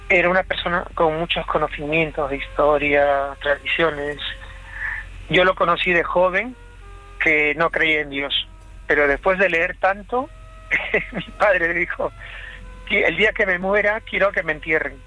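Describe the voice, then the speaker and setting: A man from Chile calling in to a late-night radio show, telling a family story in a halting, reflective way. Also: on the high side, pushed and bright, muffled recording. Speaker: caller.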